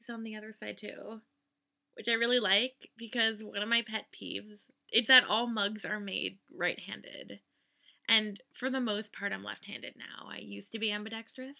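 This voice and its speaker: The speaker has an American accent, a bright, sharp tone and a moderate pace. The intonation is monotone and flat, while loudness swings widely. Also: woman, fairly high pitch for a woman. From New Jersey. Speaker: student vlogger. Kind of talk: casual vlog, dialect word list. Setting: bedroom. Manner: upward inflection.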